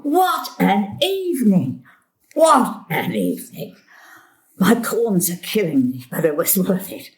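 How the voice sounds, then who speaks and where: Blunt old gran in a family drama, teasing, emphatic, voice goes all over, mid pitch. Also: female voice, sing-song, takes it slowly. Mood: relieved, pleased. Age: older.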